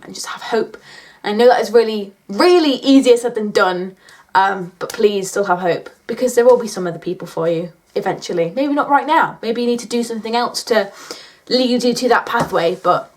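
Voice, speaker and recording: A British woman in her late teens chatting casually in a question-and-answer vlog, with a blunt, sweary, joking manner. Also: mid-range voice. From United Kingdom. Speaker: YouTuber answering viewer questions.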